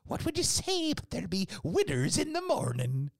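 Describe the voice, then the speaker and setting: A woman voicing an old male castaway, cunning and eager, with a raspy voice and a sing-song rustic way of talking. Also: wildly swooping pitch, normal speed, darkish tone, no room sound, studio quality. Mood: wheedling. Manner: sing-song rustic speech with wild pitch swings. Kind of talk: audiobook character voice.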